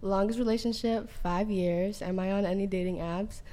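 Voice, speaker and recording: A woman in her early twenties, a podcast guest, answering quietly and unhurriedly. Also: mid-range voice, steady tone, moderate pace. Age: early 20s.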